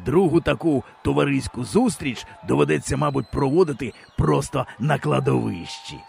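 A man reading an audiobook, voicing an excited old village man who shouts at a football match. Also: medium pitch, moderate pace, creaky, a little hiss or hum. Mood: wry. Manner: shouting, urging players on.

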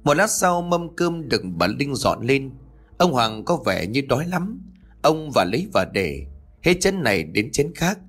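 A man narrating a horror story in an expressive, dramatic way. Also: mid-range voice, unhurried, husky, soft background music.

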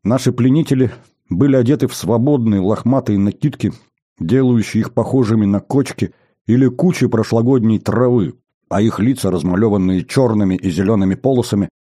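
A man reading a first-person novel aloud in a steady, measured way. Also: fairly low pitch, husky, no echo, studio quality. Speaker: audiobook narrator. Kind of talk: first-person audiobook narration.

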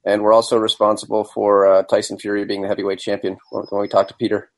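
A man's voice: on the low side, completely flat delivery, fast talker. A man co-hosting a casual boxing podcast, joking and provocative. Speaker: podcast co-host.

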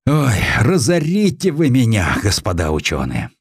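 A man's voice: mid-range voice, huge pitch swings, normal speed, slightly rough, no echo, exaggerated voice. A gloomy businessman in an audiobook of historical tales, acted by a male narrator, grumbles and pleads over money. His lines swing up and down in a plaintive, aggrieved way, recorded very dry. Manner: complaining, plaintive.

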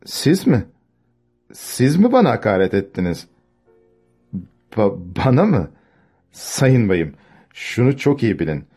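Male reader doing an arrogant young officer in an audiobook, scornful and curt, low and mellow, with faint music behind. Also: very animated, slow pace, long pauses, slightly rough, full character voice. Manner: dismissive, haughty.

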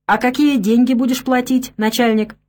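A man's voice: extremely high pitch, fairly even intonation, normal speed, darkish tone, pitched above the performer's own voice. Woman reading as cheeky haggling drifters. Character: cheeky male drifter workers bargaining.

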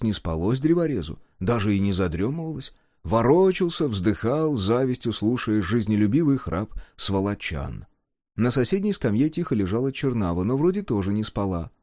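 A man reads a folk tale in a folksy, expressive storyteller's manner. His pitch moves in a lively way while his tone stays dark and mellow. The recording is dry and close. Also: no echo. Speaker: audiobook narrator. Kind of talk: scripted storybook narration.

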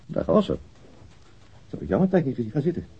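An actor playing a weary, resigned detective with a gruff, terse and hesitant manner in a radio drama. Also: male voice, medium pitch, wildly swooping pitch, fast, heavily acted. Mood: awkwardly friendly. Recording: dull lo-fi old radio recording.

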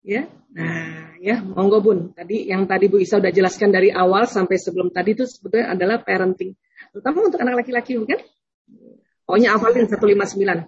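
A woman giving a religious talk on parenting, lively and often laughing as she acts out prayers and children. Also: mid-range voice, fast talker, husky, lo-fi sound. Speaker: speaker on Islamic parenting. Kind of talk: religious talk with audience questions.

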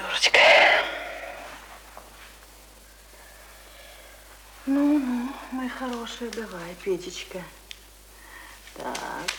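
A woman's voice: medium pitch, a bit bright. A weary, murmuring village mother, noisy recording. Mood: coaxing, weary. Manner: murmuring to herself, often dropping into a whisper. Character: weary, kindly village mother, fussing and grumbling gently. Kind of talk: naturalistic Russian radio play acting. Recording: noisy radio drama recording.

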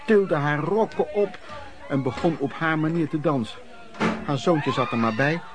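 An actor playing an earnest, aghast storyteller narrating lodging-house memories in a radio play. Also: male voice, a little high. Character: male storyteller recalling lodging-house misery, shocked and earnest. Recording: crowd noise behind the voice.

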